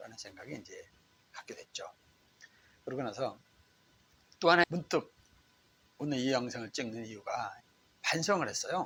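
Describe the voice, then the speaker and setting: At a moderate pace with long, frequent pauses, a man with a fairly high pitch talks in a bright, sharp tone, his intonation lively and his loudness swinging widely. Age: 60s. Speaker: motivational YouTuber, mentor and counselor. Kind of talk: casual vlog monologue.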